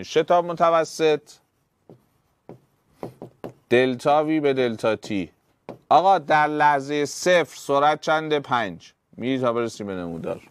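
Smooth-voiced man teaching physics. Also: a little high, no echo. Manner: explains step by step, addresses students directly. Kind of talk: exam problem walkthrough.

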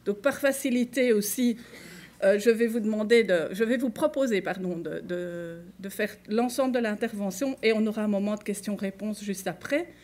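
A woman with a Belgian French accent gives a conference lecture to a live audience, her voice medium-pitched, slightly mellow, and at a normal speed. She talks conversationally, addressing listeners directly and reading example cases aloud.

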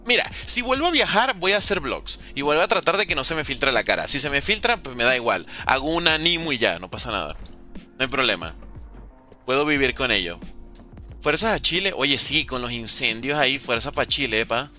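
Young man, joking streamer, very bright voice, faint music behind. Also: mid-range voice, animated, fairly quick. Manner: joking, reads out viewer questions and replies. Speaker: gaming streamer. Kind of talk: casual live-stream chat while playing. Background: faint background music.

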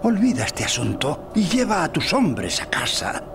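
An actor playing a gruff, loyal older dwarf warrior in a video game, concerned and admonishing. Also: male voice, on the high side, huge pitch swings, normal speed, noisy background, full character voice. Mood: alarmed warning. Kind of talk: video game character acting.

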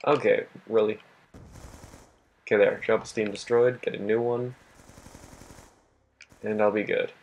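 A young man with a husky, worn voice that he is losing, giving casual gameplay commentary, swearing and talking to himself. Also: fairly low pitch, flat delivery, a little slow, long pauses, a little mellow, lo-fi sound. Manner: swears a lot, laughs often, talks to himself. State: losing his voice. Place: home at night.

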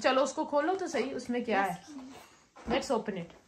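A woman with a fairly high voice chats informally as a vlog host. She often repeats short phrases, and there is clear noise around her in a home recording. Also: lively intonation, measured pace. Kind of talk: casual home vlog chat. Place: indoors at home.

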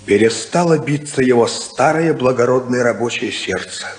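An actor playing an older worker who gives a rousing funeral speech to a crowd, in an echoey 1950s radio play recording. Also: male voice, medium pitch, normal speed, faint music behind, close to an everyday voice. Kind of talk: 1950s radio drama acting.

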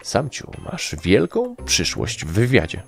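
Man playing small scheming sprite, cocky, wheedling, grandiose, animated swoops, storybook character. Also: fairly low pitch, measured pace, creaky, soft background music, voice pushed up, exaggerated voice. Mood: elated, cocky. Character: small male kobold-like sprite, cocky, scheming, sweet-talking. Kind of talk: audiobook character acting.

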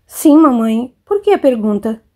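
Mulher lendo um jovem filho ríspido e entediado. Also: female voice, a little high, sing-song, a little slow, darkish tone. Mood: evasive. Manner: curt, defensive replies. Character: young man, sulky restless son.

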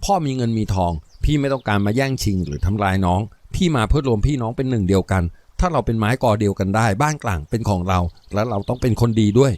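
A man voicing a gentle, charming elder brother in a deep, soft voice. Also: lively intonation, fast talker, hardly any pauses, no echo, natural voice. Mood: tender.

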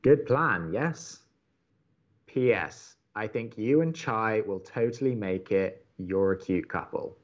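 A man's voice: lowish voice, takes it slowly, dull audio. A man playing a blunt, wry young college radio co-host in a naturalistic audio drama. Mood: wry, upbeat.

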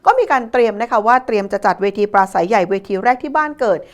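A woman's voice: a little high, expressive, fast. A woman news presenter delivering a scripted local news report in a polite, formal manner.

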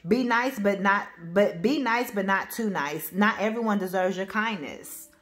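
A woman with AAVE speech giving a spiritual reading to camera, loud and powerful, blunt and emphatic, cursing freely and restarting her sentences. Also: medium pitch, a little slow. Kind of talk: casual spoken reading to camera.

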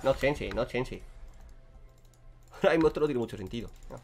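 A man from Spain commentating his own gameplay, excitable and swearing freely as he talks to himself and his viewers. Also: medium pitch, brisk, gravelly, faint music behind. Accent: Spain Spanish. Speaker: gaming streamer.

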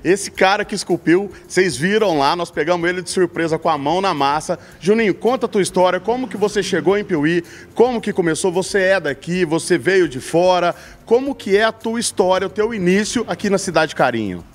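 A man's voice: sits high, lively intonation, brisk, hardly any pauses, big-room sound. A man in his forties from hosting an interview for a radio station, effusive and full of praise for his guest. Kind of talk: friendly hosting and questions.

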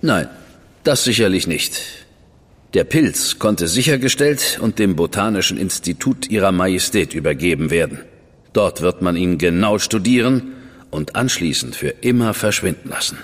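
A composed Victorian spymaster with a very low, measured voice and a sardonic edge. His lines carry a long reverb tail, as if spoken in a large stone room. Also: lively intonation. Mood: briefing. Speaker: senior crown official briefing an agent. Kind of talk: studio radio drama acting.

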